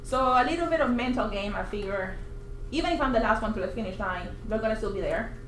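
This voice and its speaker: A woman from Puerto Rico telling a personal story at a team meeting, chatty and animated, acting out quoted remarks. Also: fairly high pitch, quick pace. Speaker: interviewed agent. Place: office meeting room. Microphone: far room camera. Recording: echoey room, faint hiss.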